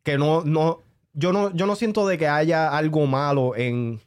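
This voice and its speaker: A man from Puerto Rico with a Puerto Rican accent, chatting casually with a friend on a podcast, relaxed and slangy. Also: fairly high pitch, a little slow. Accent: Puerto Rican Spanish. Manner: relaxed, slangy, agreeing often. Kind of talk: casual chat.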